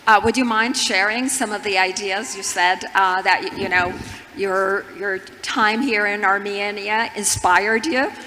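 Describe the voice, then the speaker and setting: Bright eager woman moderator in a hall. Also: mid-range voice, steady tone, a little slow. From Turkey. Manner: eager, prodding, stumbles on restarts. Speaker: conference moderator. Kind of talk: onstage fireside chat. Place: large conference hall stage. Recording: reverberant hall with audience noise.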